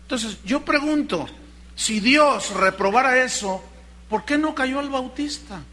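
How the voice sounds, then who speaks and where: A man's voice: very high-pitched, a little slow, sharp tone. A man, a pastor preaching a sermon with dramatic rhetorical questions.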